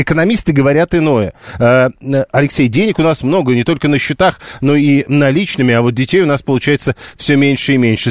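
A man hosting a live radio talk show, reading listener messages aloud and pausing often with filler sounds. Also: mid-range voice, no echo, studio quality. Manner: hesitant, many filler sounds, reads listener texts aloud. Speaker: radio host. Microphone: studio microphone.

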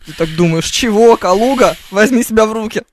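A woman's voice: mid-range voice, fairly quick, a little mellow, slight background noise. Ironic chatty woman radio co-host. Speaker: radio morning show co-host. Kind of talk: casual on-air chat. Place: radio studio.

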